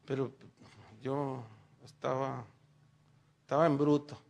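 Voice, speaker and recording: A middle-aged man, preaching a sermon and telling lively stories while speaking directly to the congregation. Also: medium pitch, takes it slowly, gravelly, lo-fi sound. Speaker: pastor.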